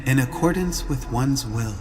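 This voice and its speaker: A man's voice: mid-range voice, expressive, unhurried, big-room sound, soft background music, pitched above the performer's own voice, close to an everyday voice. A man voicing a female simulation avatar, a programmed messenger with formal, precise politeness, in an audio drama. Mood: formal, polite.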